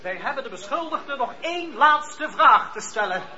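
An actor playing a pompous, zealous accuser in court in a radio play, speaking in a declamatory way. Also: male voice, very high voice, lively intonation, moderate pace, pushed and bright, heavily acted. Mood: righteous, pompous. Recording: dull radio play recording.

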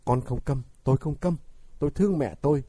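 A man reading a story plays a defiant young man who needles his father with sarcastic questions, in a husky voice. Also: medium pitch, fairly quick, mellow, dry recording, pitched above the performer's own voice, lightly acted. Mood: bitter mocking.

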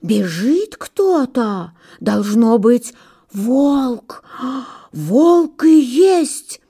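A creaky old grandmother pine tree groans and grumbles through every line, as a woman reading the story puts her on. The voice is pitched well up from an ordinary speaking voice, sighing and wailing with a slow, aged drag. It is a storybook reading, grumbling and old. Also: sing-song, dark tone, full character voice. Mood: groaning.

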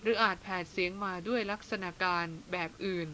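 A woman narrating a novel aloud in a steady, measured storytelling manner. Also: medium pitch, slight background noise. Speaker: audiobook narrator. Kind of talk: dramatic novel reading.

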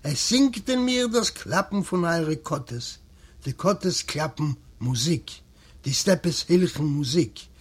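A man's voice: on the high side, expressive, takes it slowly, breathy edge. A man with an Eastern European Yiddish accent, a native Yiddish speaker, reading a literary memoir aloud and voicing the characters in its dialogue. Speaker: audiobook reader.

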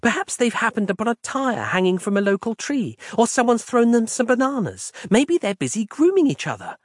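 A man's voice: extremely high pitch, very animated, fairly quick, no echo, clean studio sound, voice pushed up, full character voice. A man voicing a fussy, overly polite young woman who chatters pedantically, as an audiobook character. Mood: chatty. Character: prim, fussy young woman on a walkie-talkie.

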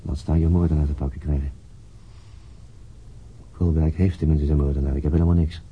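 An actor playing a brooding, dogged police detective in a radio drama, weary and musing in a halting, husky voice. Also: male voice, extremely low pitch, flat delivery, highs cut off, exaggerated voice. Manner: halting, musing, muttering to himself. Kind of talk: radio drama acting with introspective monologue.

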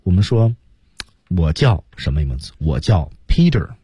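Guy teaching english pronunciation on the radio, super lively up-and-down voice, dry close sound. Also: low-pitched, unhurried, slightly rough, dry recording, lo-fi sound. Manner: explains pronunciation and models English phrases; chatty banter with co-host.

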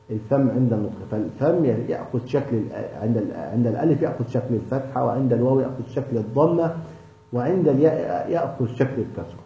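A man teaching tajweed in a class session, answering a student with many halting restarts. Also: medium pitch, mellow. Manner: hesitant, with many restarts and drawn-out fillers. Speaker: Quran recitation teacher. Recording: echoey, dull lo-fi room recording.

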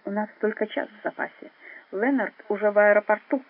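A composed, cold-blooded secret agent, played by a woman reader, speaks quietly, in measured and mocking words. The voice sounds husky and breathy. The audio is narrow and phone-like, and it plays as an audiobook. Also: high voice, steady tone. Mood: cool.

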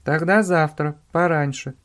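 A man's voice: a little high, measured pace, fairly bright tone, pitched above the performer's own voice. A man voicing a demanding young woman who presses her lover on the phone, insistent and pushy.

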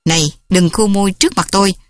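A woman's voice: medium pitch, steady tone, fast, dry recording, clean studio sound, close to an everyday voice. A woman voicing a stern, domineering old father who scolds sharply. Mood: harsh.

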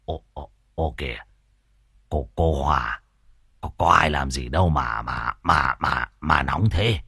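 A man's voice: rumbling low, a little slow, creaky, bright, forceful tone, husky, no echo, studio quality, voice pushed down, heavily acted. A man voicing a skinny, timid older man who stammers. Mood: stammering. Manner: stammering, meek.

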